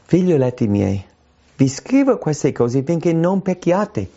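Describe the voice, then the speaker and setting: A man preaching an earnest sermon, with a gravelly, mellow voice that sits a little high for a man. He presses his points with emphasis and slows down on the phrases that matter. The recording is dull and lo-fi. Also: sing-song. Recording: dull lo-fi sound.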